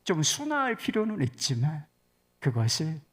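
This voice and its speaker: A woman pastor preaching in a conversational, animated way, moving between soft and loud. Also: low voice, moderate pace, husky. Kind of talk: sermon.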